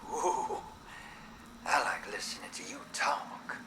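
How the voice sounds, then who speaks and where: A man's voice: on the low side, lively intonation, takes it slowly, background noise. A man playing a roguish, folksy drifter in a video game, wisecracking and teasing in a laid-back drawl. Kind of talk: video game dialogue acting. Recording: music behind the voice.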